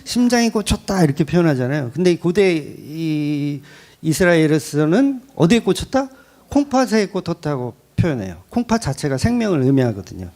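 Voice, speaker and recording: Lively, high-voiced preaching man. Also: normal speed. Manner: animated, acts out quoted speech with rhetorical questions. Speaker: pastor. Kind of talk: sermon.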